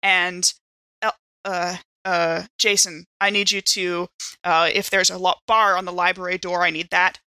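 A woman takes part in a tabletop roleplaying game, talking casually as she acts and plays. Her voice is bright and crisp-edged. It is recorded dry, without room sound. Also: lowish voice, flat delivery, unhurried, no room sound. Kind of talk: casual in-character play and game chat.

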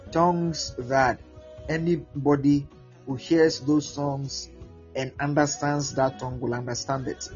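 A Ghanaian man preaching a teaching sermon, repeating words often as he explains. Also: fairly high pitch. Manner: repeats words, animated, acts out prayers and voices. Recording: muffled lo-fi with faint music.

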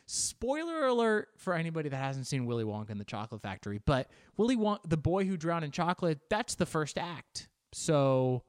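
A man's voice: a little high, clear, resonant tone, no echo, studio quality. A man riffing in a comedic monologue, sarcastic and rambling, often restarting his sentences.

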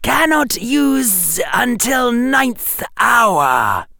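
A man's voice: very high-pitched, very animated, extremely slow, gravelly, pushed and bright, no echo, studio quality, pitched above the performer's own voice, exaggerated voice. A man voicing an earnest, clever young boy wizard with short, clipped replies in a raised voice.

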